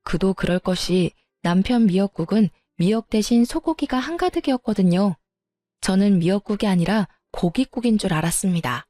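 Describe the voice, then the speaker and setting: A woman narrates a family story in a calm, matter-of-fact manner. Her voice is dark and mellow, recorded close and dry, with faint music underneath. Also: mid-range voice, no room sound.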